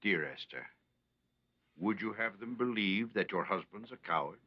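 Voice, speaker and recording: An actor voicing a proud, confident king in an animated Bible drama, speaking in a regal manner. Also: fairly low pitch, normal speed. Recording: dull lo-fi sound.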